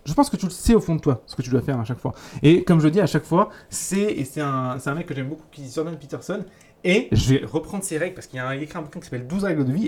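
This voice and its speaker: Fast, blunt guy, dark voice. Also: on the high side. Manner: blunt, crude slang, lots of filler and restarts. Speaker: YouTube 3D teacher. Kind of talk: casual motivational talk.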